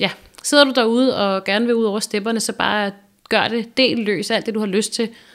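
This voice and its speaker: A normal speaking voice from a woman, fairly high in pitch, with fairly even intonation at a moderate pace. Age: 30s. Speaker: Instagram influencer. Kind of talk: casual interview. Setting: at the guest's home.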